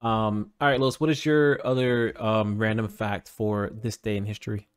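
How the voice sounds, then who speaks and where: A man's voice: lowish voice, little pitch movement, moderate pace, clear, resonant tone. Easygoing, laughing podcast host man. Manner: easygoing, agreeable, laughs often. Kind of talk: casual podcast chat.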